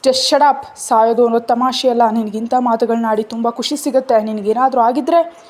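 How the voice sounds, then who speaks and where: A protective young man in a storybook snaps out worried scoldings in a raised voice, as a woman reads him. The tone stays husky and mellow, with a pitch that sits fairly high. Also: brisk. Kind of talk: storybook narration.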